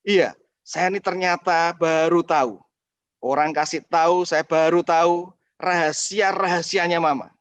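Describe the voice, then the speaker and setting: A man's voice: on the high side, steady tone, unhurried, dry recording, natural voice. A man voicing a cheeky young college student who claims he knows everyone's secrets. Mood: teasing.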